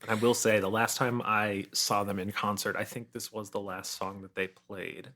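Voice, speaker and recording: A man's voice: fairly low pitch, flat delivery, moderate pace, pushed and bright. An American man as a podcast guest, chatting casually with wry, anecdotal asides.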